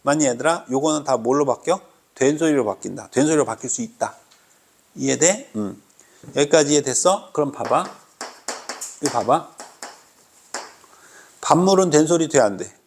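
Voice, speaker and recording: A man's voice: on the high side, animated, normal speed, vocal fry, long pauses, breathy edge. A man teaching a grammar class to students in a classroom, quizzing them constantly and mock-scolding them in a teasing way. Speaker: Korean language teacher.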